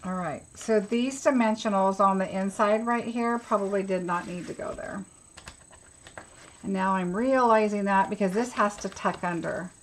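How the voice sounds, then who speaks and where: A woman's voice: medium pitch, normal speed, a little hiss or hum, low-quality recording. A woman giving a casual live craft tutorial as host, chattily talking herself through each step.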